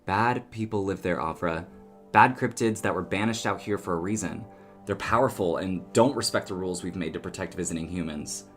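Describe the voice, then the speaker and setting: A man plays a protective young townsman in an audio drama. His voice is on the low side, casual and earnest with an exasperated edge. Faint music runs behind him. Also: fairly quick, close to an everyday voice. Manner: casual, earnest, gently scolding.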